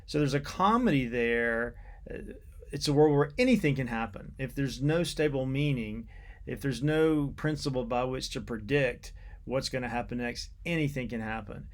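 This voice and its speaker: A man with a medium-pitched voice gives an unscripted academic lecture on literature. He speaks in a halting, deliberate way, repeating words as he explains.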